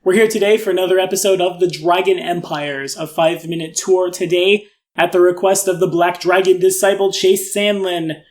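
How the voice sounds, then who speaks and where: A man's voice: high-pitched, fairly even intonation, moderate pace. A young man hosting an online channel, giving a casual overview of tabletop game lore with dry, sarcastic asides. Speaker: YouTube host explaining game lore.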